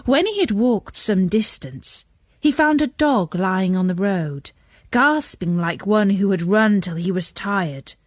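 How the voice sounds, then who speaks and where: A woman reading a children's story as narrator, expressive and measured. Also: medium pitch, no echo, clean studio sound.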